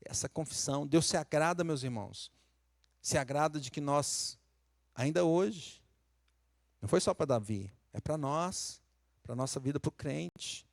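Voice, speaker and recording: A man's voice: on the high side, gravelly, no echo. Brazilian pastor, middle-aged man, Minas Gerais accent; chatty sermon delivery that climbs to emphatic peaks; dry, close recording. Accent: Brazilian Portuguese, Minas Gerais. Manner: conversational preaching, rising to emphatic peaks.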